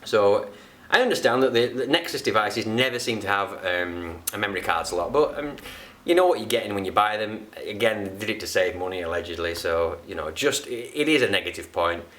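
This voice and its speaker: A man's voice: fairly low pitch, animated, fairly quick, a bit bright. A man with a Northern English accent giving a casual, rambling tech review, often correcting himself mid-sentence. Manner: rambling, chatty, self-correcting.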